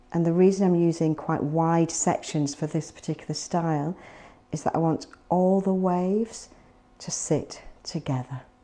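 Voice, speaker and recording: In a British accent, a woman speaks at a moderate pace. Her fairly low voice has a dark, mellow tone. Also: quiet background. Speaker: hairstylist. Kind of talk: hair styling tutorial.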